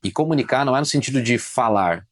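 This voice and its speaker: A man, a journalist guest, talking in a casual podcast interview, opinionated and emphatic, telling stories quickly. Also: mid-range voice, animated.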